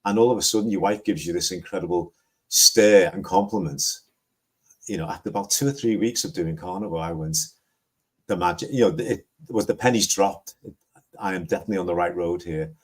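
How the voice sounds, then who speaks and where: A man in his sixties with a Liverpool accent, chatting on a livestream in a slow, rambling way. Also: sits low, husky. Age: 60s. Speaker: guest. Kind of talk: casual livestream chat.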